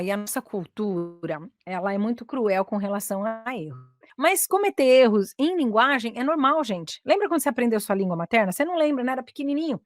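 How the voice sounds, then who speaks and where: A Brazilian woman coaching English communication, chatting in a lively teaching manner and often switching into English with a Brazilian accent. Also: high-pitched, no room sound, studio quality. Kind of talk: casual teaching talk.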